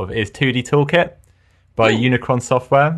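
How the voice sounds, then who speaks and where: At a fairly quick pace, a man talks with a British accent. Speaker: podcast host; former university programming teacher. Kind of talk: casual chat.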